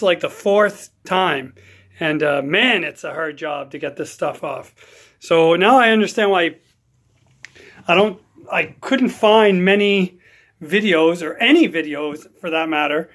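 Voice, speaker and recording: A man talking casually in a relaxed, rambling way as he works on a guitar in his home workshop vlog. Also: a little high. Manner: rambling, easygoing, lots of fillers. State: hiccups. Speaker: guitar hobbyist vlogger.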